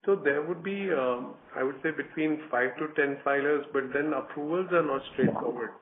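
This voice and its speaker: A man speaking as a company executive, answering analysts cautiously, with hesitant pauses. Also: fairly high pitch. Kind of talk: answering analyst questions on an earnings conference call. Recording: noisy narrow phone line.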